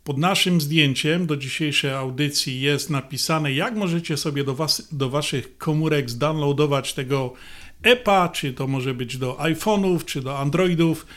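A man's voice: fairly high pitch, measured pace, fairly bright tone. A man hosting a radio show and bantering casually with his co-host. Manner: chatty, bantering.

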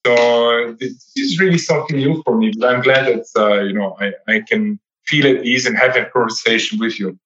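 A man's voice: medium pitch, moderate pace, few pauses, fairly bright tone, reverberant, muffled recording, slight background noise. A man in his thirties whose first languages are French and Dutch, giving reflective interview answers and often repeating words while he searches for them. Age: 30s. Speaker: podcast guest.

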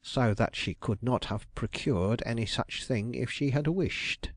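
A man voicing a shrewd, suave older detective who asks his questions slowly and deliberately. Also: medium pitch, no room sound.

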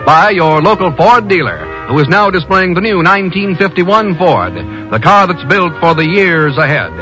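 High-pitched old-time American radio announcer man. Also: sing-song, moderate pace. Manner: formal, polished announcer delivery. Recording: muffled vintage radio broadcast with music.

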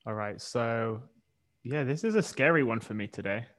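A man's voice: mid-range voice, animated, moderate pace. A man with a British accent co-hosting a podcast, dry and understated in casual banter. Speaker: podcast co-host.

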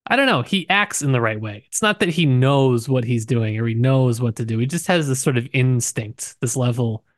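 A man's voice: medium pitch, lively intonation, moderate pace, dry recording. A man with a mid-range voice chats about a book as a podcast co-host. He is informal and joking, and the sound is dry with little room in it. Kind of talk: casual book discussion.

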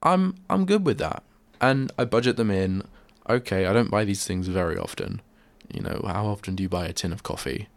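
Male host, deep and congested with a cold, rambling chat in a dry little studio. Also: lively intonation, fairly quick, gravelly, hardly any pauses, dry recording. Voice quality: bunged-up, nasal. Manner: rambling, chatty, self-deprecating. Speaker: radio host. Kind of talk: casual solo radio chat. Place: small radio studio. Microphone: studio microphone.

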